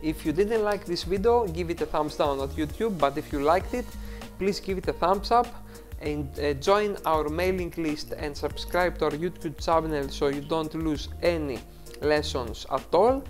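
Speaking at a normal speed in a voice on the high side, a Greek-accented tutorial host walks through photo editing step by step over a screen recording. He corrects himself as he goes, and faint music can be heard behind him.

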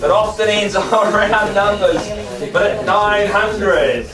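A middle-aged New Zealand man runs a house auction with brisk, wisecracking patter, his voice sitting a touch high. He is picked up from across an echoey, crowded room rather than close to a mic. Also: distant mic, over music. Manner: quick joking banter, rhythmic bid calling. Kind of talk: live property auction patter. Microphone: far camera, no mic.

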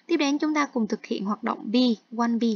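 A woman's voice: on the high side, moderate pace, vocal fry, slightly rough, dry recording. Woman teacher walking students through exercises. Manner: explains each task step by step, switching between Vietnamese and English terms. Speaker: English teacher. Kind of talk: online textbook lesson walkthrough. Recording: dull, dry lo-fi recording.

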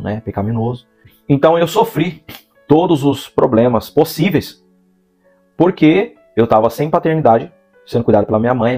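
A Brazilian man in his thirties tells his life testimony in a steady mid-range voice, close on a lapel mic. He speaks earnestly, slowing and stretching words to stress them, with faint music under him. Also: mid-range voice. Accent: Brazilian Portuguese, São Paulo interior. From Brazil, interior of São Paulo state. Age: 30s. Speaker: missionary giving a testimony. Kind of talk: religious testimony to camera. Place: indoor room, seated in a gaming chair. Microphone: clip-on lapel mic.

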